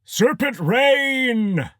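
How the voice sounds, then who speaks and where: A man's voice: fairly high pitch, lively intonation, unhurried, dry recording, clean studio sound, voice pushed up. A man voicing a pompous male snake mage who talks in a grand, self-important way. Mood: shouting spell.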